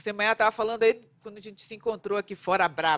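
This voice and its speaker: A woman speaks in a Brazilian accent against a quiet background. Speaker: activist; guest. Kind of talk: panel talk. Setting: stage with audience. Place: classroom. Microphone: handheld.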